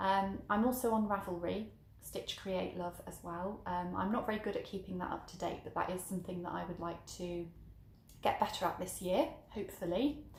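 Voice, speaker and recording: A woman at medium pitch and moderate pace, with ordinary pitch variation and audible room echo. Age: 30s. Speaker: craft podcaster and sewing teacher. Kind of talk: casual vlog monologue. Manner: hesitant, many fillers.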